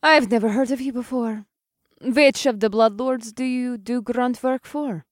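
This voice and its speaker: A man's voice: very high voice, fairly even intonation, a little slow, no echo, clean studio sound, voice pushed up. A man voicing an aloof, bored female vampire killer with clipped, dismissive lines.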